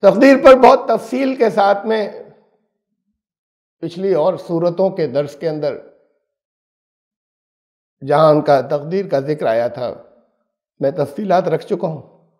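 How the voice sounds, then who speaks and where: A man's voice: a little high, expressive, pauses often. A man giving an emphatic, explanatory religious lesson on scripture. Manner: explanatory, emphatic, uses everyday examples. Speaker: Quran teacher.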